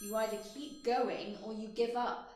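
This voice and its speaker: An actress playing a sardonic, impatient guide of a hellish hotel, scolding and dry in a horror audio drama. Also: female voice, on the high side, steady tone, moderate pace, slight background noise, lightly acted. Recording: heavy echo with loud music. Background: music and a ringing telephone.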